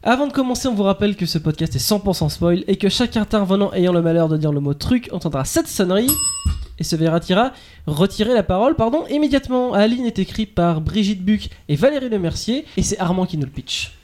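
A man's voice: high-pitched, animated, a little mellow. Joking man hosting a podcast. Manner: playful, joking, brisk. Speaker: podcast host. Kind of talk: casual podcast chat.

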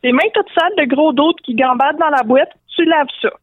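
Blunt sarcastic innkeeper, high voice, Québécois slang, as a woman plays him; phone-line sound. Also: a little fast, dry recording, lightly acted. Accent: Québécois French.

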